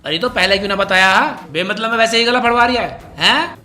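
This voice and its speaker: A man's voice: sits high, fast talker, bright, forceful tone, soft background music. A man playing a deaf, lazy grown son who mishears and grumbles, in a Haryanvi accent. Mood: indignant. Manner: mishears words, grumbling, indignant.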